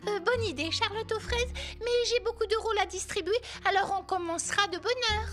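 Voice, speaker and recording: A woman's voice: extremely high pitch, fairly quick, a bit bright, soft background music. A woman voicing a vain, ambitious young female play director in a children's cartoon, with a dramatic, grandiose delivery. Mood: flustered, bossy. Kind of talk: French-dubbed children's cartoon acting.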